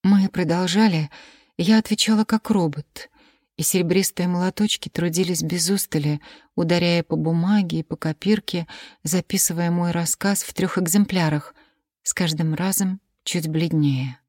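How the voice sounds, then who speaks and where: A woman narrating a first-person audiobook in a quiet, measured reading voice on a close mic. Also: fairly low pitch, fairly even intonation, no echo.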